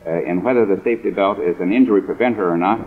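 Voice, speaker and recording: Low-voiced American man, muffled old radio. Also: rapid-fire. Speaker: guest surgeon. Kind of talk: radio interview, explanatory. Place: convention hall radio interview. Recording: muffled phone-like 1950s radio recording.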